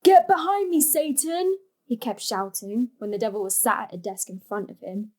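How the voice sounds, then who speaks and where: A woman's voice: fairly high pitch, normal speed, darkish tone, close to an everyday voice. A woman acting a guileless young adult daughter in a stage drama, plaintive, naive and easily annoyed. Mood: earnest. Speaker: stage actor. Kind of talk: dramatic dialogue in a play.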